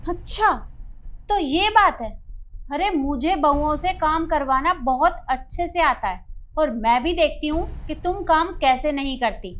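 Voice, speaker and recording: A woman's voice: sits high, animated, unhurried, fairly bright tone. An actress playing a scheming, domineering mother-in-law who scolds and complains in a family drama. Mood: scolding. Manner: scolding, self-pitying. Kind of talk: Hindi family drama acting.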